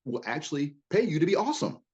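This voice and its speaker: Guy on a podcast, kinda husky low voice, earnest, repeats himself a lot, slightly dull audio. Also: very animated, quick pace, a little mellow. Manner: earnest, repeats words while building a point. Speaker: guest, leadership consultant. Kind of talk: conversational podcast interview.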